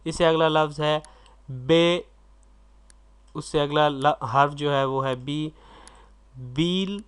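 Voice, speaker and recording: A man's voice: on the high side, slow pace. A man with a Pakistani Urdu accent, teaching a recorded video lesson and sounding out words letter by letter. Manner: spells words out letter by letter, sounding each syllable; clears throat now and then. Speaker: language teacher.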